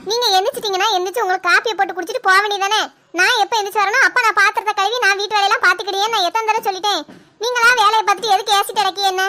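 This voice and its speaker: Woman doing a young daughter-in-law talking back, very high voice, quick and indignant. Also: steady tone, pushed and bright. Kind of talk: comic family skit.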